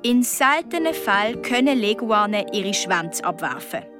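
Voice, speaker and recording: A woman's voice: mid-range voice, animated, measured pace, over music, lightly acted. A woman reading a children's story, voicing a practical, stern mother with a Swiss German accent. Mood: matter-of-fact.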